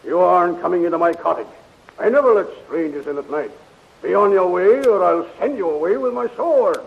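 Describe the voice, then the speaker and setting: An actor in a 1930s radio serial playing a surly, stubborn, suspicious peasant herdsman with a gravelly voice. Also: high-pitched, lively intonation, fairly quick. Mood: surly, threatening. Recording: hissy, muffled 1930s radio recording.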